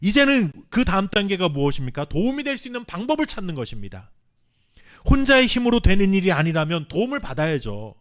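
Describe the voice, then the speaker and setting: A pastor gives his sermon in a high, animated voice that leaps up and down as he presses each point home. He preaches earnestly, slowing down for scripture and pausing for weight. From South Korea. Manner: earnest, emphatic preaching with dramatic pauses; reads scripture aloud slowly with the congregation.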